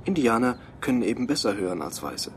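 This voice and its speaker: A man voicing a skeptical white city man in a storybook tale, speaking softly and low. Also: very animated, quick pace, a little hiss or hum. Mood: doubtful.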